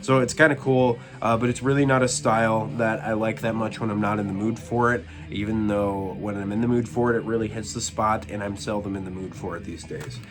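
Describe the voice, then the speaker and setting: A man casually reviewing albums from his collection, relaxed and rambling with plenty of fillers. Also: on the low side, fairly quick, few pauses, over music. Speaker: metal collection vlogger.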